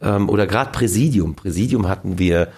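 A male actor as an interview guest, telling lively stories about film sets in a casual way. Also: low-pitched, fairly quick, husky. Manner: animated storytelling with acted quotes.

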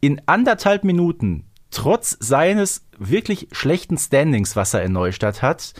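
A man's voice: on the high side, sing-song, measured pace. A man hosting a podcast, discussing things with a fan's enthusiasm in an effusive, emphatic way. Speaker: podcast host.

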